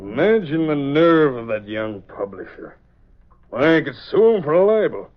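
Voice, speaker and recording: An actor playing a greedy, blustering slum landlord with an indignant manner in a 1930s radio drama. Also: male voice, fairly high pitch, big pitch swings, measured pace, dull audio, faint music behind.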